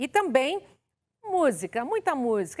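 At a moderate pace, a woman talks in a high pitch. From Brazil, Minas Gerais. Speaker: TV talk show host. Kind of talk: live TV talk show. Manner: animated. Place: studio. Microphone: lapel.

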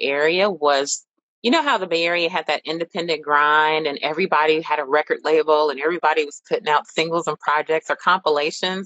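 A woman has a plain, everyday voice, pitched fairly low. She talks at a fairly quick pace over a quiet background. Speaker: social media marketing specialist. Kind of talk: casual interview. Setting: video call. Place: home room. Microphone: video call.

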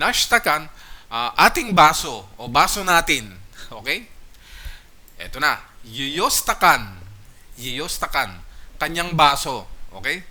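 A man's fairly high voice with vocal fry and a bright, sharp tone, very wide pitch swings, a very slow pace and long, frequent pauses. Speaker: Russian language teacher. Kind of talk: language lesson. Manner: halting, many fillers.

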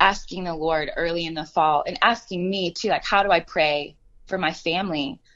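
Her pitch fairly low, a woman talks at a moderate pace with ordinary pitch variation. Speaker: worship singer-songwriter. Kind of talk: interview answer. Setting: phone line. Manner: casual, enthusiastic.

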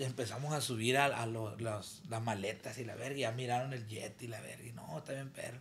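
Talking very fast, a man keeps a medium pitch and ordinary pitch variation. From Mexico, Sonora. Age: 20s. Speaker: regional Mexican singer. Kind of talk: casual interview.

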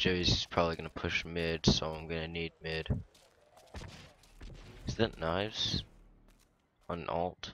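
A man with a very deep, low pitch and a bright, sharp tone speaks fairly slowly in a flat monotone with long, frequent pauses, over light background noise. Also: dry sound with no echo. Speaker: gamer. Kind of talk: gameplay commentary. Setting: close mic, mic eating. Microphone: headset.

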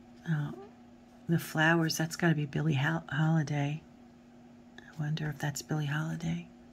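A woman's very deep, low, somewhat breathy voice in a flat monotone, at a moderate pace with long, frequent pauses and light background noise. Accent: American. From Philadelphia area, US. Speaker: tarot reader and YouTuber; tarot reader, YouTuber. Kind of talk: casual solo video run-through of a deck. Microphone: phone near.

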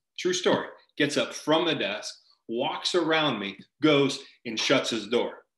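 A man speaks in a bright, sharp, animated tone, with audible room echo over a quiet background. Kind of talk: event hosting with prayer. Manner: repeats words often. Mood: earnest, emotional at times. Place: home room. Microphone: video call.

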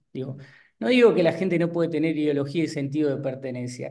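The speech runs at a very fast pace. The background is quiet. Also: man. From Argentina, Santa Fe province. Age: 40s. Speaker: mayor. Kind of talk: radio interview. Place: office. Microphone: video call.

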